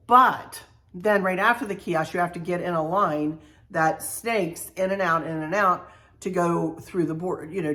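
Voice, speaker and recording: A woman's voice: on the low side, fairly bright tone. A middle-aged woman from Virginia, telling viewers a travel story in a chatty way, repeating herself and adding folksy asides. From Virginia, USA. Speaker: travel vlogger.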